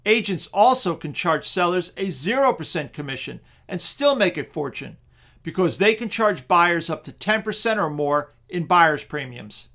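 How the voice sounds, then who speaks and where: Man, high-pitched voice, middle-aged, persuasive scripted webinar narration. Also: moderate pace. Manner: steady, persuasive sales pitch. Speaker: real estate auction presenter.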